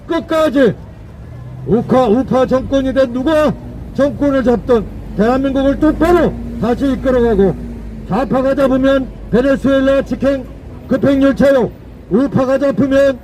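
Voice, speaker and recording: Very high-pitched man making a fiery street speech. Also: warm tone, a little hiss or hum, poor audio. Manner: emphatic, declamatory, repeats phrases for effect. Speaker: political rally speaker.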